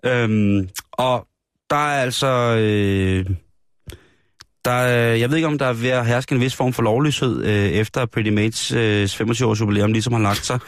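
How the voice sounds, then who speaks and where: En mandlig radiovært i en komisk snak, der med gravalvorlig, tør tone læser lokale politinyheder op og ofte tøver og starter forfra. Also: male voice, mid-range voice, no echo, clean studio sound. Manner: mock-solemn, deadpan reading of news; many fillers and hesitant restarts. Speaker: radio comedy host. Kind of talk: improvised comic radio banter. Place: radio studio.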